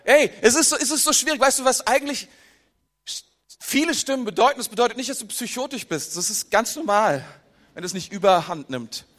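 A male pastor preaches in a high, bright, forceful voice. He talks to his listeners with rhetorical questions and casual asides. For key points he sinks low and soft. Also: animated, brisk. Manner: pitch and volume drop low for emphasis. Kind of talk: sermon.

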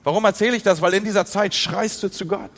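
A man preaching as a pastor, moving between loud outcries and quiet, intimate passages. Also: high voice, fast, big-room sound. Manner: emotional, swings from loud outcries to hushed intimacy. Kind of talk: sermon.

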